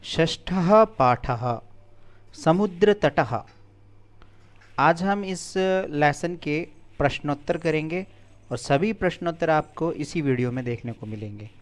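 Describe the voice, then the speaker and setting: A male teacher in a video lesson, carefully pronouncing Sanskrit words and explaining the answers in plain everyday speech. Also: on the high side. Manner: slow, deliberate pronunciation drill, then plain explanation.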